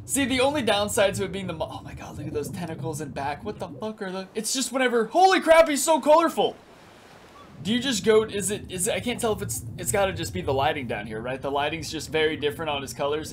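Young dude gaming commentary, raspy just-woke-up voice, kinda high pitched, headset mic, cursing and rambling a lot. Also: male voice, fast talker, a little hiss or hum. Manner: energetic, crude, rambling with lots of "like". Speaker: gaming YouTuber. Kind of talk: excited gameplay commentary.

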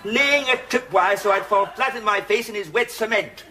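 A man's voice: high-pitched, moderate pace, natural voice. An actor playing a grumpy husband in his sixties, grumbling indignantly and sarcastically about his neighbour in a sitcom. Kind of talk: sitcom acting. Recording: noisy old TV broadcast audio.

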